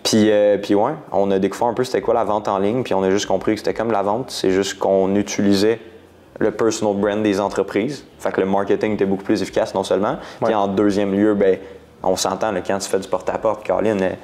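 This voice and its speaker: Man, twenties, Quebec French accent, lowish voice, casual rambling talk, slang and English words. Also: little pitch movement, brisk, darkish tone. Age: 20s. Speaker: guest entrepreneur. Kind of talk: casual interview.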